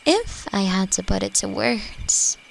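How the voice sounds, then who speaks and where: A woman playing a friendly, playfully teasing elf who teaches magic, speaking gently and reflectively in a roleplay audio drama. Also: mid-range voice, lively intonation, a little slow, vocal fry, slight background noise, rough recording. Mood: calm, reflective. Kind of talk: scripted roleplay audio drama addressed to the listener.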